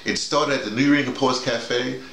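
A man's voice: mid-range voice, steady tone, a little slow, vocal fry, a bit bright. Man in an echoey room, explaining emphatically. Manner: emphatic, digressive, repeats phrases. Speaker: drama workshop leader. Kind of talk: casual conversation, storytelling and explaining. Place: small indoor room with a bed. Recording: echoey room, faint noise.

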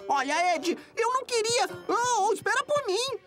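Squeaky-high jittery little Brazilian cartoon creature. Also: female voice, a little slow, full character voice. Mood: apologetic. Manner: excitable, pleading. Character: jittery, gullible little male berry-creature repairman. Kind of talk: animated cartoon dub. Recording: music behind the voice.

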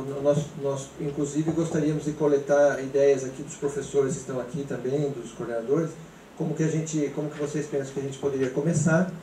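A man's voice: medium pitch, warm tone. A Brazilian man hosting a university seminar, talking hesitantly with many fillers and restarts into a handheld mic. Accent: Brazilian Portuguese. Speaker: event host. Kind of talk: hesitant, informal presentation moderation. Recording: echoey room from a distance, faint noise.

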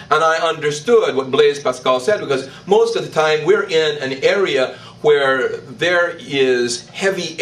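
An older man, a priest, preaching a sermon in church, slow and emphatic, with declarations that rise in pitch. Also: far from the mic, low-quality recording. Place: church, indoors. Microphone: stand mic in front.

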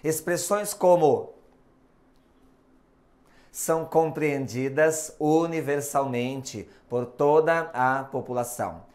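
Slow, deliberate Brazilian man teaching. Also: on the high side, a little mellow. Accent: Brazilian Portuguese. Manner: slow, deliberate explanatory delivery with emphasis. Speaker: hypnosis and NLP teacher. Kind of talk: recorded video lesson.

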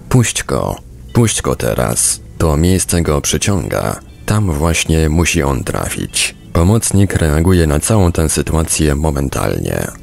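A man's voice: a bass voice, vocal fry, darkish tone. A man reading a book aloud as scripted narration for a podcast. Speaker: audiobook reader, podcast narrator.

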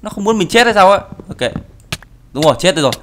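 A young gaming YouTuber does playful Minecraft let's play commentary, slipping into mock-dramatic wailing and pleading. He talks fairly quickly in a high, animated, slightly bright voice.

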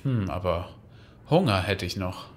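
An actor playing a tired, caring boyfriend in a German radio play. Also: male voice, low voice, animated, unhurried, a little hiss or hum. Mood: tired, affectionate.

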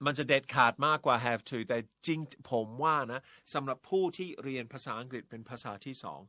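A man teaching English on a radio show, explaining grammar in lively mixed Thai and English. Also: mid-range voice, brisk, no room sound. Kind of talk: bilingual radio English lesson. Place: radio studio.

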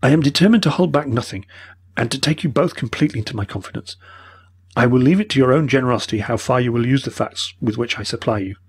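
A man's voice: medium pitch, fast, husky. A man voicing a distressed old male professor who pleads earnestly to explain himself. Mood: pleading.

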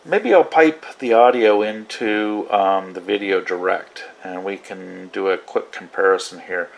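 A man talks casually through a hobby demonstration at a slow pace. He rambles a little, thinking aloud as he goes. It has the loose, informal feel of a home vlog. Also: sits low, vocal fry, rough recording. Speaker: radio hobbyist demonstrating receivers. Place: small indoor radio desk.

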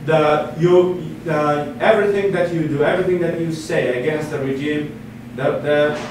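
A young man from Iraq lectures from a podium in a meeting room, his voice set a little high. He speaks earnestly and often restarts his phrases. He sounds distant from the mic, with heavy room echo and a steady hiss of noise behind him. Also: moderate pace. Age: 20s. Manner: earnest, with frequent restarts and fillers. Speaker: guest speaker. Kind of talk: public lecture. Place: meeting room with a seated audience. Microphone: podium mic from far camera.

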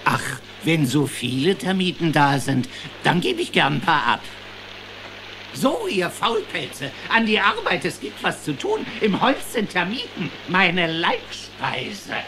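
Low-voiced, grumbly armadillo. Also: female voice, huge pitch swings, takes it slowly, noisy background, exaggerated voice. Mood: amused, willing. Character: grumbly, easygoing armadillo from the West. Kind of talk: German children's audio drama acting.

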